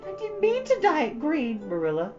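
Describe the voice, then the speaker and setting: A young girl from a storybook, pitched very high. She is earnest, wretched and given to dramatic pleading. The sound is a little muffled, with music clearly playing behind her. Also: huge pitch swings, normal speed. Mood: dejected, protesting.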